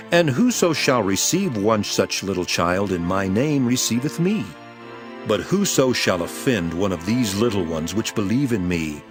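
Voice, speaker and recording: A man playing Jesus as a solemn, authoritative teacher in a dramatized Bible reading, speaking in an emphatic, measured way. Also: on the low side.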